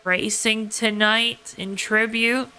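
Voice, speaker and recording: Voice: medium pitch, flat delivery, takes it slowly, bright, forceful tone, a little hiss or hum. A motorsport commentator calling a race live, with dramatic, emphatic repetition and colorful phrasing. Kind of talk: live play-by-play racing commentary.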